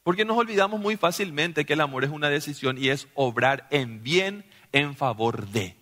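Bright-voiced preacher. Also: male voice, a little high, normal speed. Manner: animated preaching, often asks listeners "¿sí?". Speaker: pastor. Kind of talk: sermon. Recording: long hall reverb.

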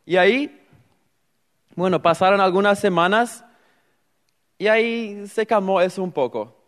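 A man's voice: high-pitched, a little slow. Young Paraguayan man preaching in reverb. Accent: Paraguayan Spanish. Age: young adult. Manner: earnest storytelling with voiced-out inner dialogue. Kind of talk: sermon testimony.

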